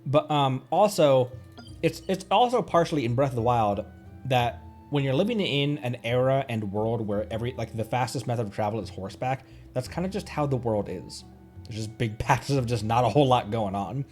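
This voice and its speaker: A man streams with casual, chatty commentary in a medium-pitched voice. He talks hesitantly, working out his thoughts as he goes. Soft music plays in the background. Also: lively intonation, moderate pace. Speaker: streamer, VTuber host.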